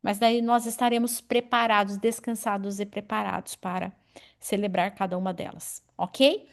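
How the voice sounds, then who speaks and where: A woman in her forties preaching a sermon in an animated, personal way, calling on members of the congregation by name. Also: mid-range voice, normal speed. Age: 40s. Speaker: pastor.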